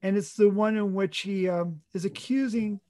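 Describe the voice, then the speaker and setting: A man co-hosting a relaxed cartoonist podcast. He talks earnestly and wanders through his points, often stopping to correct himself. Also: sits high, moderate pace. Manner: earnest, rambling, self-correcting. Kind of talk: casual chat.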